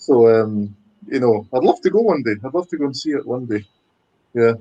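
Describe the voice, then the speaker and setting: With a Scottish accent and a dark, mellow tone, a man of medium pitch speaks at a fairly quick pace with ordinary pitch variation. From Scotland. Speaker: author and musician. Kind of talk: interview answer.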